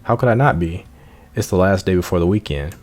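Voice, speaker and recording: A man's voice: sits low, animated, a little fast, faint music behind. A man voicing a cheerful, defensive schoolgirl who reads emotions, in a hammy read-aloud of a visual novel.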